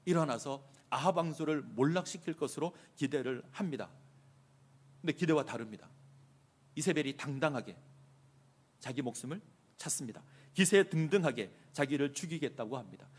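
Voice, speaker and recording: Male pastor, sermon delivery, emphatic, rhetorical questions, slightly high voice. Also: animated, fairly quick.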